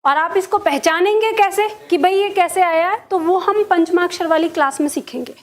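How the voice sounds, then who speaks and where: A woman's voice: very high-pitched, normal speed. An Indian woman teaching a lesson in a patient, step-by-step way, often checking that her students follow. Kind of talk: classroom lesson.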